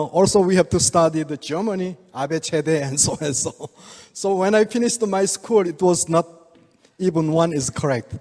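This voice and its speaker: An older man with a Korean accent, speaking halting non-native English to an audience and chuckling often. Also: sits high, mellow. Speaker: speaker, oriental medical doctor. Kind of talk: presentation to a live audience. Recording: reverberant hall.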